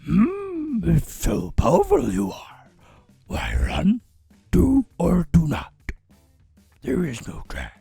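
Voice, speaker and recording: A man switching between many comic impression voices, drawn out and gravelly. His pitch leaps about, and the sound is close and dry over faint music. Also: huge pitch swings, takes it slowly, long pauses, dark tone, no room sound.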